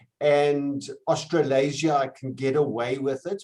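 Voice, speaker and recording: In a Cape Town accent, a man speaks at a fairly slow pace. His fairly high voice keeps a fairly even intonation. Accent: Cape Town South African. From South Africa, Cape Town. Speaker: webinar participant. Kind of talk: live Q&A on video call. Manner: halting.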